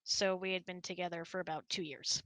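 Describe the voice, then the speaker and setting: A woman's voice: lowish voice, steady tone, fairly quick, fairly bright tone, dry recording, low-quality recording. A woman hosting a casual online hangout, chatting and answering audience questions in a giggly manner. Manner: giggly, laughs often while talking.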